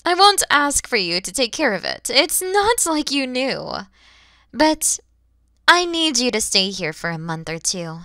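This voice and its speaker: A woman's voice: sits high, a little slow, no echo, studio quality, heavily acted. A woman voicing a kind, motherly and playful dragon woman in an ASMR audio roleplay, speaking expressively and directly to the listener. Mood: explaining, reassuring. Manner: expressive, teasing, gentle, addressing the listener directly.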